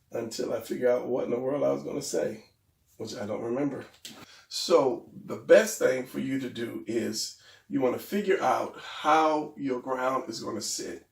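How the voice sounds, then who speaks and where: A man's voice: mid-range voice, a little slow, vocal fry, roomy sound, distant mic. A man teaching drawing in a casual, hesitant and rambling way, his voice a little stuffy and worn. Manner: hesitant, rambling, self-deprecating. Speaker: drawing instructor.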